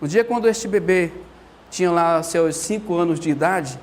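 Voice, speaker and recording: High-voiced, animated male Bible teacher. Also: normal speed, a little hiss or hum. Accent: Brazilian Portuguese. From Brazil. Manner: animated storytelling, acts out quotes. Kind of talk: lively church teaching talk.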